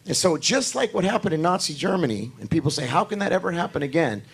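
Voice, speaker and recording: A man preaching a sermon to his congregation with a hoarse voice, building emphasis through repetition and calling for amens. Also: on the high side, lively intonation, fast, fairly bright tone. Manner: talks to the congregation directly, asking for amens. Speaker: pastor.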